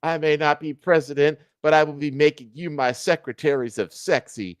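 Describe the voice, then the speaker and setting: A swaggering male cartoon cat hero, acted out by a man reading a story. He is smug, seductive and grandly righteous. The voice sits a bit high for a male and is recorded close and dry. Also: moderate pace, smooth, no echo, lightly acted.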